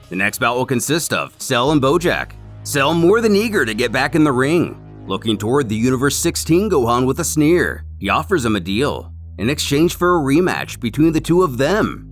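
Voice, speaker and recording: A man's voice: mid-range voice, fairly bright tone. A man narrating a scripted story recap in a dramatic, emphatic way.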